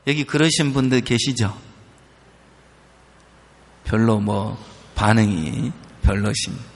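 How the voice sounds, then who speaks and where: A man preaching a sermon, telling a story and acting out the people in it in lively voices. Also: on the low side, slow pace. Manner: animated storytelling, acting out an elderly mother's stubborn replies. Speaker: pastor. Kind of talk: sermon with acted-out anecdotes. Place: church sanctuary. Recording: long reverb of a church hall.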